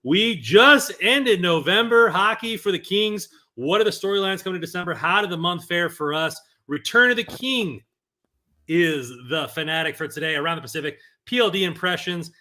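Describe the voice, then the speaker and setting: High, bright-voiced hype host man. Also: normal speed. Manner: energetic, hype-building. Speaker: podcast host. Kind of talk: casual podcast chat.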